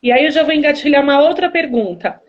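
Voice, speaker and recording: Woman host, Brazilian accent, high voice, rambling interviewer, dull video-call audio. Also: lively intonation, fast talker. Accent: Brazilian Portuguese. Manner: rambling questions with many restarts. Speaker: live stream host. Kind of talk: interview questions.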